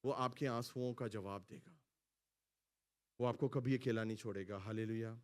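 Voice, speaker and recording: A male pastor preaching a sermon in a church hall, calling out lines for the congregation to repeat and swinging between loud exclamations and quiet asides. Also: lowish voice, steady tone. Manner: preaching, has the congregation repeat phrases after him. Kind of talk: sermon with call-and-response.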